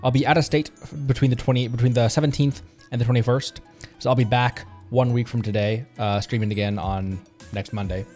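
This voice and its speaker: A male streamer with a mid-pitched voice chats casually through a gaming livestream. He talks in loose, rambling asides, and music plays behind him. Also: fairly even intonation, a little fast, darkish tone. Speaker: streamer and channel host.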